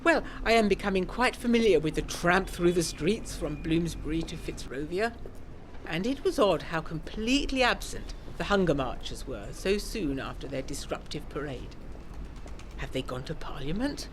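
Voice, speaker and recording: A woman's voice: fairly low pitch, animated, normal speed, a little hiss or hum, close to an everyday voice, poor audio. A woman playing an eager, self-pleased 1920s lady narrating a gothic audio drama in genteel, bookish diction. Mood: brisk, confiding.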